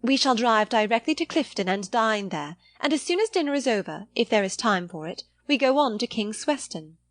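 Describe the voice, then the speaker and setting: A woman voicing a gushing, affected young lady in a period novel audiobook, effusive and excitable. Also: fairly high pitch, moderate pace, no room sound, studio quality, close to an everyday voice.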